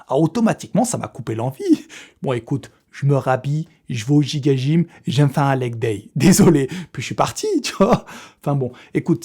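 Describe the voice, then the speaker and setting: A young fitness YouTuber runs a giveaway draw in a casual vlog to camera, chatting in slangy French with frequent swearing and laughter. His voice is on the high side, with a dark tone and a breathy edge.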